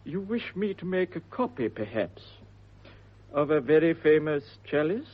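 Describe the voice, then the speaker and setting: An actor playing an elderly master jeweller, formal, deliberate and courteous, in a radio drama. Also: male voice, a little high, sing-song. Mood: courteous, discreet. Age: older. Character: courteous old male master jeweller, discreet and proud. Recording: muffled old radio recording.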